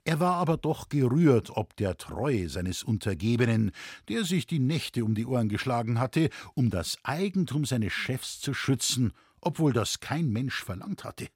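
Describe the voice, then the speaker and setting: A man reading a story aloud as a calm, measured narrator. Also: mid-range voice, breathy edge, no echo, clean studio sound. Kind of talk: scripted narration.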